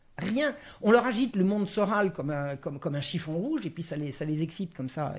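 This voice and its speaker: A somewhat breathy woman's voice at a fairly low pitch with very wide pitch swings, in a very clean recording with a silent background. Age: 70s. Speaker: historian and author. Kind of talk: interview.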